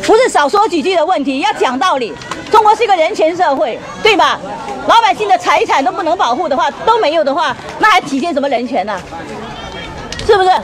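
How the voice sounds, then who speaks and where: A woman speaks at a fairly quick pace but with long, frequent pauses, her extremely high voice swinging very widely in pitch. Crowd noise can be heard behind her. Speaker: homeowner confronting city officials. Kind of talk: heated street argument. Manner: impassioned, forceful. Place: street. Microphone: camera far.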